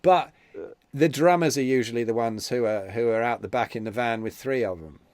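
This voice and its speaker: A man's voice: mid-range voice, a little fast, a little mellow, no echo. A man hosting a casual conversation, rambling and often repeating words as he starts his thoughts. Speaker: host. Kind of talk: casual video-call chat.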